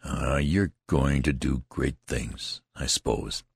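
A man's voice: low voice, expressive, normal speed, creaky, a little mellow, breathy edge, no room sound, full character voice. Man playing a bitter, doubtful young soldier. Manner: country dialect, sour and dry.

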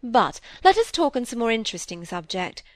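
A woman's voice: fairly high pitch, sing-song, brisk, no room sound. A woman reading aloud, voicing a prim, fussy middle-aged stepmother who scolds in an affected, snobbish way. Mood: airy.

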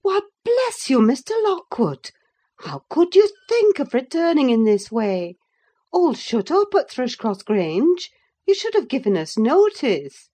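A brisk, warm-hearted housekeeper chatters in a lifted, lively voice, as a woman reader puts her on. She welcomes and fusses in a storybook reading. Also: on the high side, voice pushed up. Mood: welcoming. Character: brisk, kindly middle-aged housekeeper woman.

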